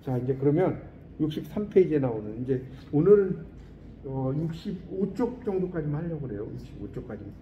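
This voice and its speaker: A man teaching an English class, quizzing his students and reading English phrases slowly and deliberately. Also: fairly high pitch, echoey room, highs cut off, slight background noise. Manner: lively, quizzing students with questions.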